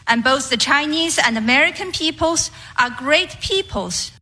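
Woman interpreter doing a translation voice-over, sharp bright tone, formal and measured. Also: high voice, lively intonation.

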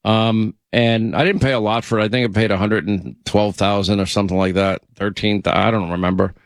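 A man's voice: on the low side, steady tone, fairly quick, dry recording. A man hosting a call-in radio show, talking in a chatty, rambling way. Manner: chatty, rambling, self-interrupting. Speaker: radio talk show host. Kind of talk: casual call-in radio chat.

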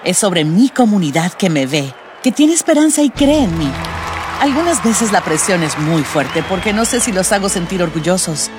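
A woman's voice: lowish voice, close to an everyday voice. A woman playing an earnest young soccer player in a sincere, reflective ad monologue. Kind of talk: heartfelt ad monologue. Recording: with music and crowd behind.

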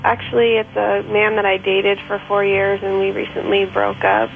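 A woman's voice: medium pitch, monotone, moderate pace, vocal fry, faint music behind. A woman in her late twenties calling a radio show, hesitant and lovesick. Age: 20s. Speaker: caller. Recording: muffled phone line.

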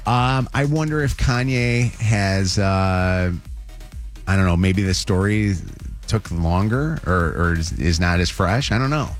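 A man's voice: low-pitched, a little slow, soft background music. A man co-hosting a morning radio show, talking casually and hesitantly with many restarts. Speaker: radio co-host.

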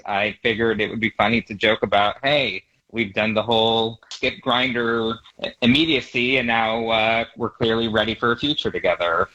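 Male caller, bright voice, nervous laughs, hesitant, on the phone line. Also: medium pitch. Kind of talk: phone conversation.

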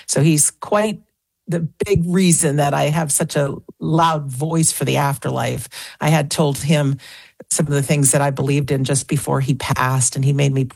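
Woman, 60s, radio guest; low, gravelly voice, earnest, piles up examples. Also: steady tone, moderate pace, darkish tone, no echo. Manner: earnest, talks in lists and repeats phrases. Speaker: guest author. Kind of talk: radio interview.

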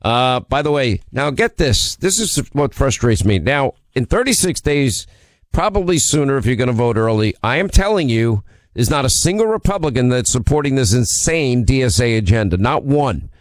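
A middle-aged man with a hoarse voice from a cold, hosting a political talk radio show in a brash, combative way with sarcastic asides. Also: medium pitch, big pitch swings, normal speed, no room sound.

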